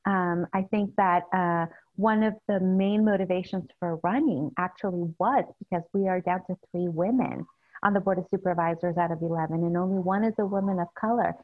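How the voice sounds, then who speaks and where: A woman's voice: fairly low pitch, fairly quick. Earnest woman on a tinny phone line. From El Salvador. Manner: earnest, frequent fillers and soft laughs. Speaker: newly elected city supervisor. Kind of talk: casual interview answers.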